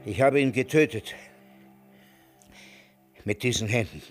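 An actor in a German radio drama playing an elderly Jewish camp survivor, bitter and menacing, speaking with biting, theatrical sarcasm. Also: male voice, medium pitch, measured pace, faint music behind, lightly acted. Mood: threatening anger. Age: older.

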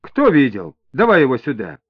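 Guy doing a rude young thug in an audiobook, snarly slangy, jumps around in pitch, muffled lo-fi sound. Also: huge pitch swings, moderate pace, husky. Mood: angry, defiant. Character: hostile young male petty thug under interrogation. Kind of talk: audiobook character voice. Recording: dull lo-fi audio.

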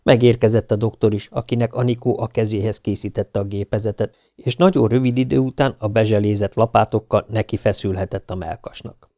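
Male audiobook narrator, measured reading, gravelly, dark tone. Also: lowish voice, steady tone, no room sound.

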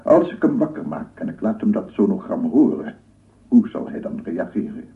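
A man's voice: fairly low pitch, very animated, moderate pace, vocal fry. An actor playing an obsessive lone scientist in a radio play, cooing and murmuring repetitively as he does with his dog. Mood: brooding. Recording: echoey, distant, phone-like old radio recording.

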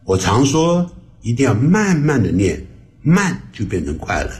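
A man's voice: mid-range voice, very animated, a little slow, darkish tone. A man teaching English to beginners on the radio, drawing words out and repeating them for practice. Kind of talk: slow beginner language lesson. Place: radio studio.

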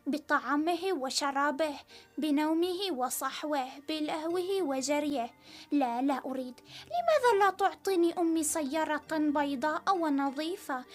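A woman's voice: high-pitched, moderate pace, faint music behind, lightly acted. A woman voicing young daughters in a radio story, with a childlike, pleading, playful way of talking. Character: young daughters, eager, dreamy girls.

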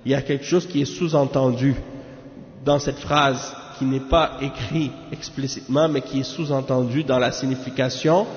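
A man giving a religious lesson, slowly explaining and repeating terms, often checking with his listeners. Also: mid-range voice, fairly even intonation. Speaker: religious teacher. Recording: roomy long reverb, dull lo-fi sound.

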